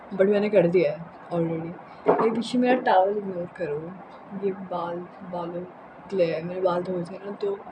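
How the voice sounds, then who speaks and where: A young woman with a hoarse, sore throat chats casually and unscripted in a rambling home vlog, mixing in English words. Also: medium pitch, noisy background. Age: young adult. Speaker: vlogger. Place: indoors in a room at home.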